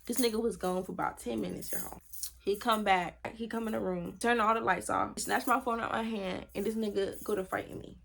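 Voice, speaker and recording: A woman telling a personal story to her viewers in a casual vlog, animated and slangy, speaking to them directly. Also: mid-range voice, a little fast, gravelly, slight background noise. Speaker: storytime vlogger.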